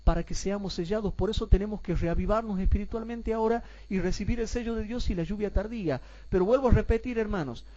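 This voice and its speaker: A man teaching a Bible class asks rhetorical questions, addresses his listeners as brothers, and slowly repeats points so everyone can follow. His voice sits high and mellow, and the audio is dull.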